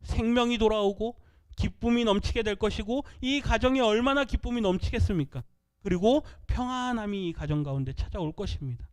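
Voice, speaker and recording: A male pastor with a high voice delivers a sermon in church. He reads scripture out loud with his congregation and teaches by asking questions, then answering them himself. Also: fairly quick.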